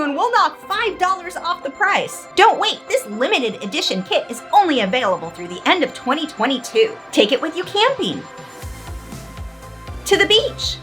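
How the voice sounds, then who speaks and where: Woman doing an animated, high-pitched infomercial announcer. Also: exaggerated voice. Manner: exaggerated salesy delivery with drawn-out emphasis. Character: over-excited, cheesy infomercial announcer selling art supplies.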